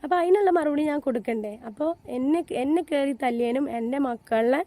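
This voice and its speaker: Indignant high-voiced woman, dry sound. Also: brisk, warm tone, no room sound. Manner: indignant and repetitive. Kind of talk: heated personal account.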